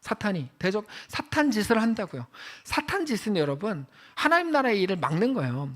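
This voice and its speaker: A man preaching a sermon as pastor, passionate, rising to loud high outbursts and dropping to quiet low stretches as he reads scripture and speaks God's words to the listener. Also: very animated, a little fast.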